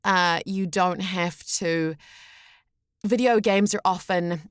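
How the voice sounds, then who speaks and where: A woman's voice: lowish voice, fairly even intonation, takes it slowly, clear, resonant tone, no room sound, clean studio sound. A woman voice actor talking casually as an interview guest, chatty and explanatory, often correcting herself mid-sentence.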